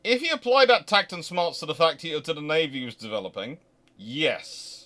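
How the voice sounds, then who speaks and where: Man thinking aloud, halting and emphatic. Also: a little high, animated, sharp tone. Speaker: host of naval history channel. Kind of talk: live question-and-answer talk, speculative history commentary.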